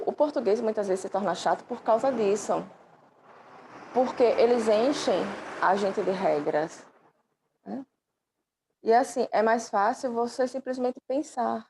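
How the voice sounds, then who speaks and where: A woman's voice: fairly high pitch, dark tone, a little hiss or hum. A woman teaching an online class through her laptop microphone, patiently explaining step by step and affectionately calling her students dear.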